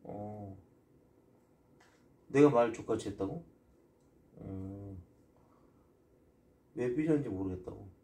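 A man's voice: lowish voice, slow, long pauses, warm tone, distant mic. A man streaming casual chat, pleading and asking the same questions again and again. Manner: pleading, repeats questions over and over.

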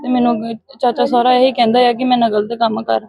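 Fast-talking Punjabi woman. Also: on the high side, little pitch movement, gravelly, warm tone, dry recording. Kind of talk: interview answers.

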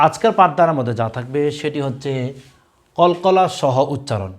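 Guy teaching kids quran reading, fairly high voice, says every letter over and over real slow. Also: lively intonation. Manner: drills letters slowly and loudly, repeating each several times. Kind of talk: recorded lesson for young pupils.

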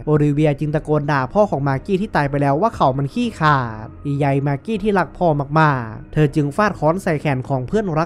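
A man narrates a film recap in a loose, talkative voice that sits a little high. He runs through the story like he is telling a friend, dropping playful slangy nicknames on the characters as he goes. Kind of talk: casual spoken movie recap.

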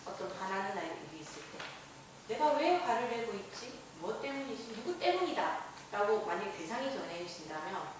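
A woman's voice: medium pitch, slight background noise. A Buddhist nun giving a dharma talk to a class in a conversational way, with personal stories and voices for her own inner thoughts. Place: temple lecture hall. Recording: echoey, from far off.

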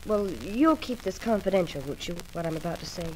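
An actress playing an earnest, polite young heroine in an old-time radio soap opera. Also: female voice, medium pitch, lively intonation, fairly quick, darkish tone, close to an everyday voice. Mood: earnest, concerned. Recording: noisy old radio recording.

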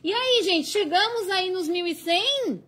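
A woman's voice: very high voice, lively intonation, measured pace, fairly bright tone. A Brazilian woman teaching crochet on a live stream, chatting and reading viewer comments aloud. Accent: Brazilian Portuguese.

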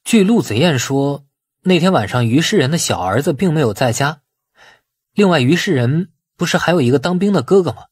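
A man acts out a shrewd, easygoing younger businessman in audiobook dialogue. He explains things colloquially in a husky voice with lively pitch. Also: a little fast, dry recording. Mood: puzzled.

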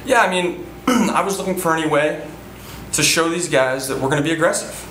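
Earnest baseball manager, echoey room. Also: male voice, fairly high pitch, a little fast, fairly bright tone, a little hiss or hum. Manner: earnest, repeats himself, frequent fillers. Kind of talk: post-game press interview. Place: indoor press room before a sponsor backdrop.

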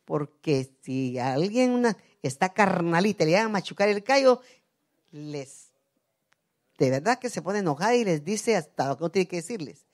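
Una predicadora de mediana edad con acento guatemalteco, que predica con fervor en una iglesia y pasa de apartes suaves a exclamaciones fuertes. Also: female voice, lowish voice, expressive, normal speed. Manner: fervent, swings from soft asides to loud cries. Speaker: preacher. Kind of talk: sermon. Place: church.

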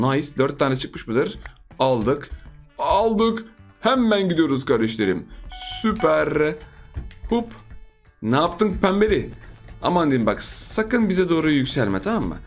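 A man giving live gameplay commentary, excitable and playful, teasing his opponents and chanting repeated words in a sing-song way. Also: medium pitch. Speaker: gaming YouTuber.

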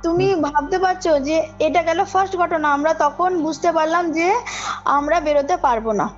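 A caller with a very high-pitched voice tells a personal story at a moderate pace, informally and emphatically, often checking that her listener is following. Her call audio is muffled under loud background music.

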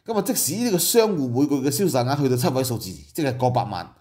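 Middle-aged Hong Kong Cantonese man, host doing casual commentary, mellow tone, conversational with rhetorical asides. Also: mid-range voice, big pitch swings, quick pace. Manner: conversational, explains business figures with asides and rhetorical questions.

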